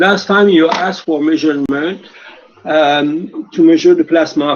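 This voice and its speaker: A man with a high pitch speaks at a fairly slow pace, his pitch varying in an ordinary way. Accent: French. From Quebec City. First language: French. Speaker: viewer asking questions. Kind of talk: question to a teacher. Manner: halting.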